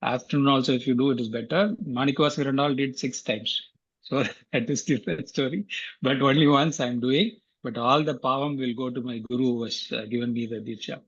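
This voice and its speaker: A man's voice: medium pitch, steady tone, brisk, slightly rough. Earnest man on a lo-fi online call. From Tamil Nadu, India. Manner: earnest, repeats words, frequent fillers. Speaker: guest speaker. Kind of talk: casual explanatory talk on an online call.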